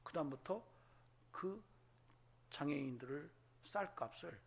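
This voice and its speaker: A man preaching a sermon as a pastor, telling a story in hushed whispers and building to impassioned, shouted exhortation. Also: a little high, expressive, unhurried, creaky, slightly rough. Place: church sanctuary.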